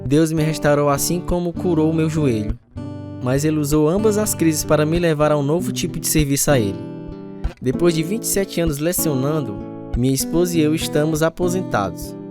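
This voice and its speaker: A man's voice: a little high, lightly acted. A man with a Brazilian accent playing a devout, grateful retired teacher in a radio drama, speaking earnestly. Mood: reflective, grateful. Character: devout retired special education teacher, grateful older husband. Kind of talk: radio drama acting with first-person narration.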